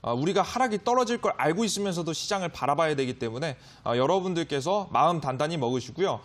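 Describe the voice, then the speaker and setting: A man lectures on stocks as a broadcast guest, his voice riding fairly high and swinging widely in pitch. He hammers his points emphatically and fills the gaps with little hesitation sounds. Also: quick pace. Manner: animated, emphatic, frequent fillers. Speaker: stock market expert guest.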